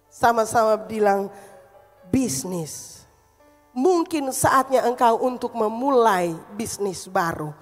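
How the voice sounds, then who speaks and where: A woman's voice: high voice, long reverb tail. A woman pastor with a Manado accent preaching a sermon, emphatic and calling the congregation to repeat phrases after her. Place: church hall.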